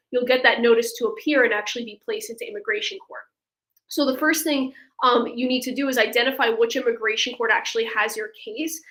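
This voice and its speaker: Female legal expert, higher voice, conversational, walks listeners through procedures step by step. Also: fairly bright tone, poor audio. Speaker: immigration attorney, guest expert. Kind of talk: explaining legal steps in a webinar Q&A.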